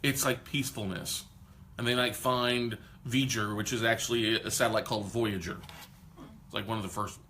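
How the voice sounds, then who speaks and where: A man hosts a casual live stream, pushing his viewers with loud, fired-up encouragement. His voice is bright and forceful, with a faint hiss in the background. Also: lowish voice, normal speed. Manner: energetic, motivational, loud. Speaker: host.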